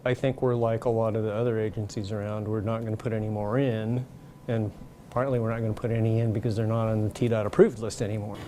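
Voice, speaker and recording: Male engineer interviewee, low dark voice, halting plain answers, faint background noise. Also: level tone.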